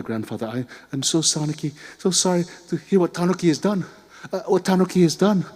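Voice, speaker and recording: A man's voice: high-pitched, darkish tone, voice pushed up. A man voicing an earnest male white rabbit who talks eagerly and stammers a little. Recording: long hall reverb.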